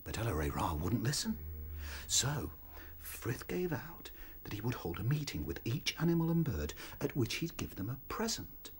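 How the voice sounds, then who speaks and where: A man playing a young rabbit, an eager but timid storyteller, with a theatrical, expressive delivery in a radio play. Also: fairly low pitch, a little hiss or hum.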